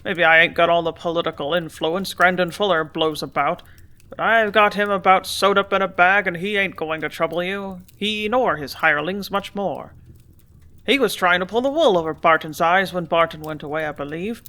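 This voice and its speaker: A woman voicing a gruff older male grain dealer with folksy, blunt country speech. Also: lowish voice, normal speed, pushed and bright. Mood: confiding.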